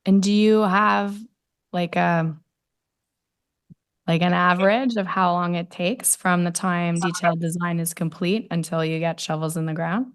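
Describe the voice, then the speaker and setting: A woman city councillor with laryngitis, asking questions at a committee meeting in a hoarse voice with hesitant fillers. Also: on the low side, steady tone, measured pace, no room sound, studio quality.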